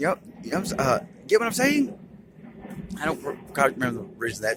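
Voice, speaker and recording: Amid noticeable background noise, a high-pitched man talks fairly quickly, his pitch swinging very widely. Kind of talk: casual monologue. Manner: fast; halting.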